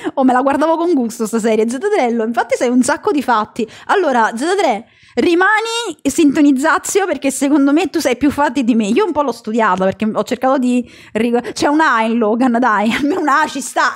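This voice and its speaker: A woman's high voice with very wide pitch swings, a moderate pace, and a quiet background. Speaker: game streamer. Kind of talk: casual gaming stream commentary. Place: home room. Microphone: headset.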